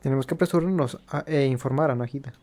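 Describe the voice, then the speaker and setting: A man's voice: medium pitch, racing, dark tone. A man hosting a video game playthrough with casual commentary, reacting to the dialogue as it goes. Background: game music.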